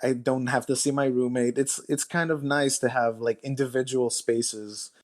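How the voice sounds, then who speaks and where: A man chatting casually as a guest author, halting and thinking aloud as he goes. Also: medium pitch, steady tone. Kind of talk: casual chat.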